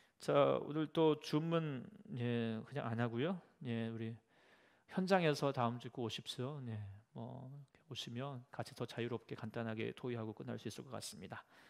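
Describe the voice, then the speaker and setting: Speaking at a moderate pace, a man with a normal speaking voice uses lively intonation at a medium pitch, with big swings in loudness. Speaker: pastor teaching Bible study. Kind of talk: lecture.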